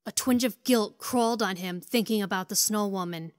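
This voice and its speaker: A woman's voice: medium pitch, moderate pace, no echo, studio quality. A woman reading scripted story narration as the narrator of an audio drama.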